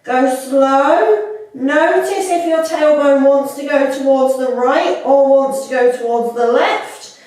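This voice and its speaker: A woman with a slightly stuffy cold, leading a workout with calm, unhurried cueing. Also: sits high. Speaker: fitness instructor. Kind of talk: guided workout instruction. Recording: echoey room, mic at a distance.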